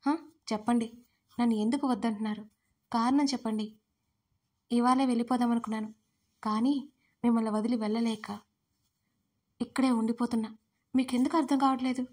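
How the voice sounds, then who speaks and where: A woman's voice: a little high, steady tone, a little fast, long pauses, darkish tone, close to an everyday voice. Woman voicing a tearful pleading young woman. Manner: pleading, crying voice. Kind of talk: audio story dialogue.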